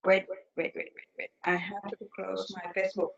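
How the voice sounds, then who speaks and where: A woman's voice: medium pitch, little pitch movement, fairly quick, gravelly. A woman hosting a webinar from her phone on a video call, her voice echoing back from a second device, giggling and speaking in simple broken English. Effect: echo of her own voice from a second device. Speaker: webinar host. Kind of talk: casual webinar setup chat. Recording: dull lo-fi sound with echo from a second device.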